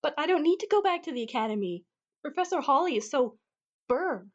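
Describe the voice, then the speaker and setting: A woman's voice: sits high, animated, brisk, dull audio. A woman playing a naive, bubbly young wishing star with a ditzy, girlish manner in a fantasy comedy audio drama. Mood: pleading, bubbly.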